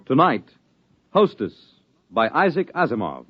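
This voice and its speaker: Dramatic, hugely animated male vintage radio announcer. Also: medium pitch, unhurried, heavy background noise. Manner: theatrical, portentous. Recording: dull vintage radio broadcast. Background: music.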